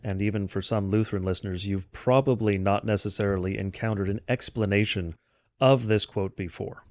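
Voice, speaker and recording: A man delivering an explanatory history lecture in a measured, didactic way with formal phrasing. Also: on the low side, no echo. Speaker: host of a church history podcast. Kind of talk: explanatory lecture, semi-scripted narration.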